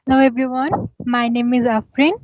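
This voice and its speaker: A woman's voice: a little high, flat delivery, normal speed, dry recording. A young woman from Bangladesh, a student intern, giving a brief formal self-introduction on a call. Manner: formal, short sentences. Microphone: video call. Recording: dry, dull call audio.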